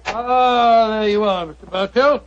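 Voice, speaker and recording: An actor playing an older doctor who narrates a radio drama in a genial, chuckling storyteller manner, in 1940s radio acting style. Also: male voice, high voice, measured pace, noisy background. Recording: muffled old radio broadcast.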